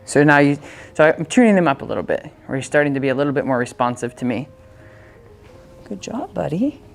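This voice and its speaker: A woman's voice: rumbling low, very fast, faint music behind. A woman working as a dog trainer, coaching owners in a casual, chatty way and breaking off to give the dog short, upbeat commands.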